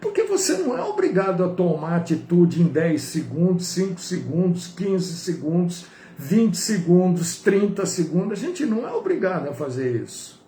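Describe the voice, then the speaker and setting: A man, a pastor, preaching a sermon in an animated way, swinging from high to low. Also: normal speed, roomy sound, slight background noise.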